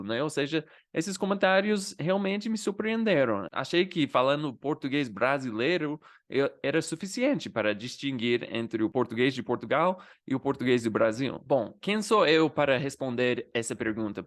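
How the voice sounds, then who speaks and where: American man vlogging in Portuguese. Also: fairly high pitch. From United States. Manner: conversational, often adds "né?" and "entendeu?" as tags. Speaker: language vlogger. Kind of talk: casual explanatory vlog.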